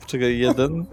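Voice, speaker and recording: Mid-pitched male game master. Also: darkish tone. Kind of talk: casual narration and rules calls for a tabletop game.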